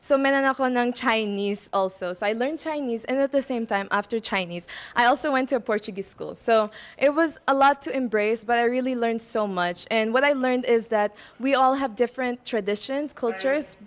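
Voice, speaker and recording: A woman's voice: on the high side, moderate pace, few pauses. A woman in her twenties who grew up in Macau, answering pageant interview questions in a bubbly way, laughing between answers and mixing in Tagalog words. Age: 20s. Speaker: pageant candidate.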